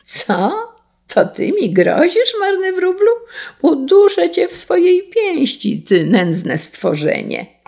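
A woman voicing a cruel, hot-tempered male carter who shouts and wails in a raised, strained voice. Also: sits high, wildly swooping pitch, takes it slowly, creaky, pitched above the performer's own voice, full character voice. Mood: scornful.

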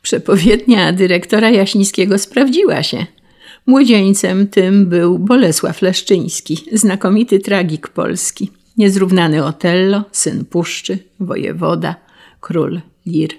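A woman narrating a story in a measured, wry reading voice. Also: mid-range voice, a little mellow.

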